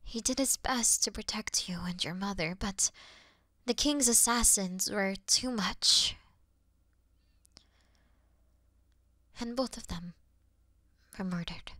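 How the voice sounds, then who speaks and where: A woman playing a weary, noble and gentle demon queen in a fantasy audio roleplay, speaking earnestly in a breathy, hushed way. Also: medium pitch, dry recording, studio quality. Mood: grieving. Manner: solemn, slow, earnest, breathy hushed delivery.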